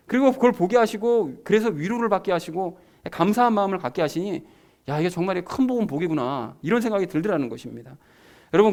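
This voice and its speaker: A man's voice: high-pitched, darkish tone. A man preaching a sermon as pastor, talking conversationally and emphatically to his congregation.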